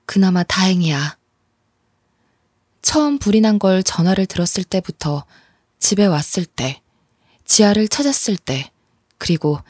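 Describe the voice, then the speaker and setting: A woman narrating a dramatized true story in the first person, calm and steady. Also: lowish voice, slightly rough, no echo, studio quality.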